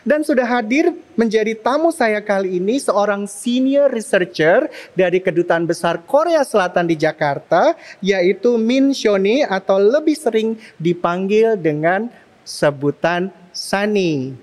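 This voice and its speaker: Indonesian lady presenter, middle pitch, chatty interview host style. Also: expressive, a little slow, darkish tone.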